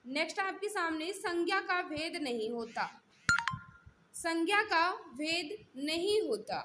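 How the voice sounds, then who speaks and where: Woman, high-pitched online test-prep teacher, instructional and repetitive, faint noise behind her. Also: animated, slow pace. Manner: instructional, repeats questions and set phrases. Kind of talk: live mock-test lesson, questions and answers.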